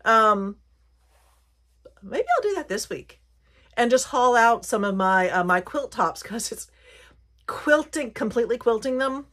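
A woman's voice: a little high, animated, unhurried, pauses often, a bit bright. A middle-aged woman with a light Southern American accent, chatting casually and in a rambling, self-correcting way as she presents a haul video. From Virginia, United States. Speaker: haul and craft vlogger.

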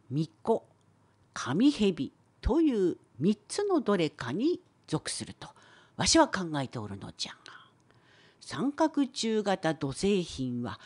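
A woman plays a wise old scholar in an educational cartoon, creaky and husky. The pitch sits fairly low but swings very widely. The delivery is unhurried and slow, a patient, wry, opinionated lecture. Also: darkish tone, exaggerated voice. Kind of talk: scripted educational cartoon dialogue.

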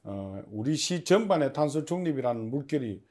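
A man giving formal, prepared interview answers as an agency official, in measured and stiffly official phrasing. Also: mid-range voice, animated, darkish tone. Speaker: head of a public industry agency, interview guest.

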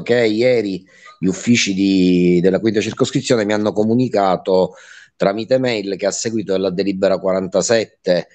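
A man's voice: on the low side, darkish tone. A man explaining formally as a councillor in an online meeting, searching for words. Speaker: district councillor. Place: online video call.

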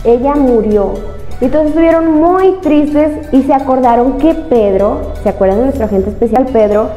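A woman's voice: sits high, normal speed, dark tone, highs cut off. A young woman with a Mexican accent presenting stories and crafts to children in a sing-song way, often asking them questions. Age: young adult. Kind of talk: storytelling and craft instruction for children. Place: indoor studio with painted wall. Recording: echoey room, music behind.

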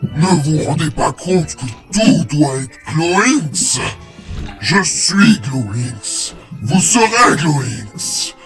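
A man's voice: fairly high pitch, very animated, extremely slow, gravelly, fairly bright tone, faint music behind, exaggerated voice. A man voicing an imperious giant monster ruler in a cartoon fan dub, making grandiose, contemptuous declarations. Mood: scornful, commanding.

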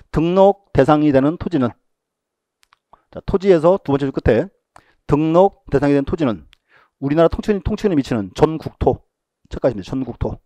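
A man lecturing for an exam-prep course, his pitch rising and falling a lot as he poses questions and answers them. His tone is warm and mellow and a little high for a man. The recording is dry and close, with little room sound. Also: no echo. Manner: repeats key terms, tells students what to mark.

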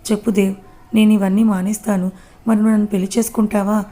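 Proud obsessive young woman, read by a woman, insistent, flat even delivery, dark mellow tone. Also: medium pitch, fast talker, close to an everyday voice. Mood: defiant.

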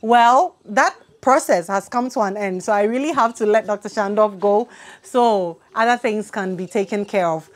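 A woman's voice: medium pitch, moderate pace. A young woman hosts a farming channel, interviewing a guest and speaking to viewers with enthusiasm, recorded outdoors on a lapel mic. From Ghana. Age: young adult. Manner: enthusiastic, frequent affirmations. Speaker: channel host. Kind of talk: interview and presenting to camera. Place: outdoor terrace with hills behind.

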